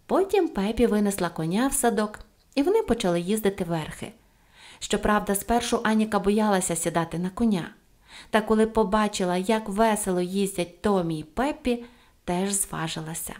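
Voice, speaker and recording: Female audiobook narrator, expressive, lively storybook reading. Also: mid-range voice, moderate pace. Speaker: audiobook reader.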